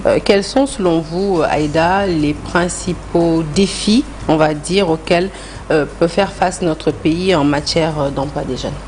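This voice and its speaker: A low-pitched woman interviews a guest as a news host. Her phrasing is halting, with repeated words. There is slight noise in the studio recording. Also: darkish tone.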